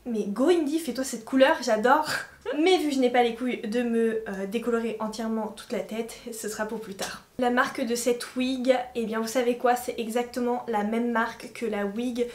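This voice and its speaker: A slangy, animated woman chats through a makeup review, laughing often. Her voice sits fairly high and rings in a room with clear echo. She talks straight to her camera from home. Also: normal speed. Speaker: beauty vlogger. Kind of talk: casual makeup review chat.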